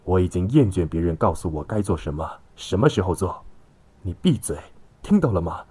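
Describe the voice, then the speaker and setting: A man's voice: deep voice, brisk, a little mellow, husky. A man voicing a belligerent, contemptuous middle-aged father in an audiobook story, scolding and sneering. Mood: enraged.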